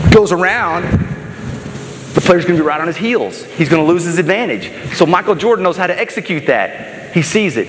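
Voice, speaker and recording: A middle-aged American man giving a motivational keynote, telling stories in an emphatic, dramatic and conversational way. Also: on the high side. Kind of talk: animated stage storytelling. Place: large stage in an auditorium, indoors. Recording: echoey hall, noticeable background noise.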